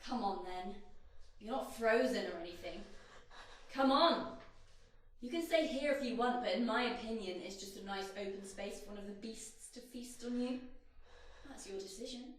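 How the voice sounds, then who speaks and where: A young woman acting a mysterious, menacing guide in a horror audio play, hushed, commanding and teasing with threats. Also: a little high, moderate pace, natural voice. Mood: coaxing menace. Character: mysterious menacing female guide in a hellish place. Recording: very echoey binaural recording.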